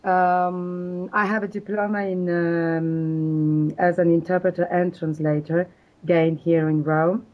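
Low-voiced hesitant woman from South Africa. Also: little pitch movement, takes it slowly, darkish tone. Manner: hesitant, many fillers and restarts. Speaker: interview guest, exam candidate. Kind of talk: hesitant conversational answers.

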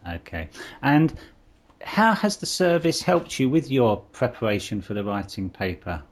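A man hosting a podcast, reading a clear scripted intro and asking an interview guest questions. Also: medium pitch, very animated. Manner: clear, deliberate, spells out addresses slowly.

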